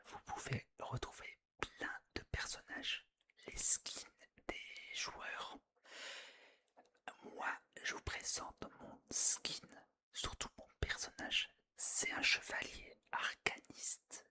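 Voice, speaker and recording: A gaming ASMR creator whispers breathily right into the listener's ear, narrating gameplay slowly and soothingly and softly repeating phrases.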